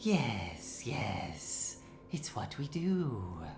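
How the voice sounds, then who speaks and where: A put-on character voice at a low-to-middle pitch over clear background noise. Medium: actual play. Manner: repetitive, mimicking.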